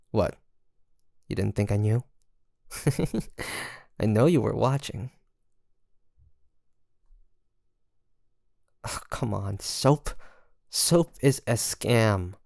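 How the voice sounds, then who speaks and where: A performer playing a teasing, easily flustered pirate captain in an intimate ASMR roleplay, speaking haltingly with sighs and soft laughs. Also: mid-range voice, animated, gravelly, no room sound, studio quality, heavily acted. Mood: playful, protesting.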